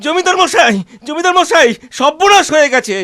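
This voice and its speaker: A man's voice: very high-pitched, expressive, normal speed, sharp tone, no room sound, clean studio sound, full character voice. A man voicing a fretful, deferential estate steward in a comic cartoon. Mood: panicked. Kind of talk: dubbed comic cartoon dialogue.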